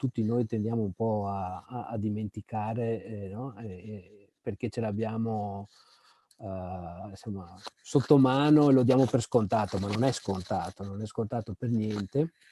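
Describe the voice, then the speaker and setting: A man's fairly low voice with a dark, mellow tone and a Venetian accent, fairly slow, with ordinary pitch variation, big swings in loudness, and a dry, close sound with no echo. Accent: Venetian Italian. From Veneto, Italy. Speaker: sociology professor and author. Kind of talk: panel discussion. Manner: halting, many fillers and repetitions.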